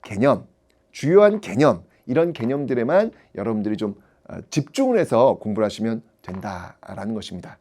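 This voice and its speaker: A man's voice: mid-range voice, sing-song, fairly quick, a little mellow. A man teaching history in an audio-only exam prep lecture, talking to students with rhetorical questions and frequent laughs.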